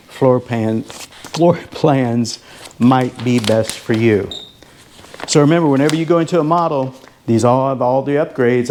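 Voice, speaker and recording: A man presenting a home tour as a real estate advisor, talking informally and directly to viewers with a sales pitch. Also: darkish tone, slight background noise. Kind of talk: casual home tour vlog, sales talk. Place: inside a model home.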